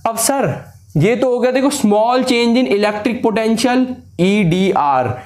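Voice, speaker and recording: At a classroom board, a man teaches physics, walking students step by step through a derivation, mixing in English formula terms and calling them sir and beta. His voice is extremely high, animated and darkish, with drawn-out words.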